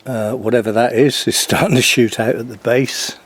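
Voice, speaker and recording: An older man hosting a gardening channel, walking along a garden border and explaining plainly, with pauses. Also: medium pitch, fairly even intonation, husky. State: out of breath. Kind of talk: casual garden walk-through.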